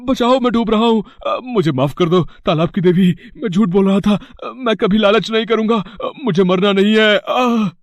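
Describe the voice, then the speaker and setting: A man's voice: mid-range voice, a little slow, no echo, lo-fi sound, natural voice. A man voicing a greedy, scheming elder brother in a cartoon story, wheedling and putting on fake tears. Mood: panicked. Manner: wheedling, fake-weeping, then panicked. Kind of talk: cartoon voice acting.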